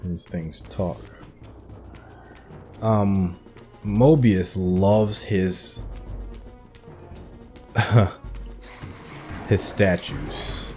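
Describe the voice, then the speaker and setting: Very deep-voiced, slow male gamer. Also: steady tone, music in the background. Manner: musing, thinking aloud. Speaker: gaming video host. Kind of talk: casual game playthrough commentary.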